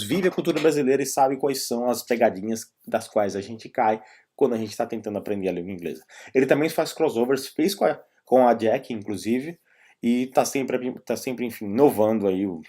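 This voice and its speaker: A man's voice: mid-range voice, a little mellow. A man with a Brazilian Portuguese accent talking casually as a vlogger, explaining and recommending things in a conversational, rambling way with asides.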